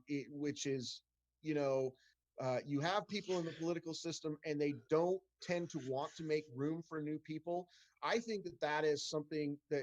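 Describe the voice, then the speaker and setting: Middle-aged candidate, earnest, halting, slightly high voice, dry close video-call sound. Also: male voice, no echo, low-quality recording. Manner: earnest, many restarts and fillers. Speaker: congressional candidate. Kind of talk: town hall Q&A answers.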